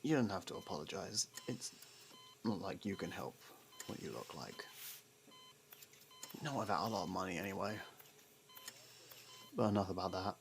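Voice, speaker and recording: A man playing a sardonic, guarded ex-prisoner who reluctantly worries about a partner, in a halting, intimate ASMR roleplay monologue. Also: low-pitched, lively intonation, creaky, slight background noise. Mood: guarded, concerned.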